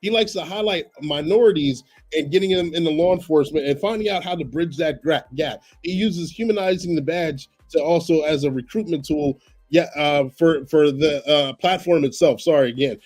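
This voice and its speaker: A man hosting a live-streamed podcast, hoarse from a cold, talking in a chatty way that repeats itself, with coughs and apologies. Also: a little high, moderate pace, darkish tone, faint music behind. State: hoarse, getting over a cold. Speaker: podcast host.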